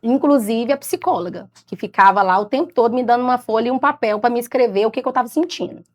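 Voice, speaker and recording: Brazilian woman guest, a bit high-pitched, telling her story with lively acted-out dialogue. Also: quick pace. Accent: Brazilian Portuguese. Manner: animated, acts out others' lines in quoted speech; repeats "I said" and restarts as she recounts. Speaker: guest giving a faith testimony. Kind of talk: emotional storytelling.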